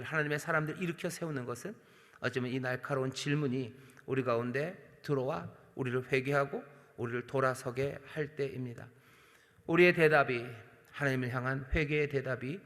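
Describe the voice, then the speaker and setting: A man, a senior pastor, preaching earnestly at a night prayer service, addressing the congregation directly with emphatic swells and soft drops. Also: mid-range voice. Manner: addresses the congregation directly and voices God's questions. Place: large church sanctuary. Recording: long hall reverb from church sanctuary.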